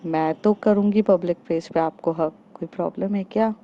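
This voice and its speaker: A woman voicing a young female student who coaxes and sulks softly, on a dull lo-fi recording. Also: on the low side, fairly even intonation, normal speed, slight background noise, close to an everyday voice. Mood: pleading.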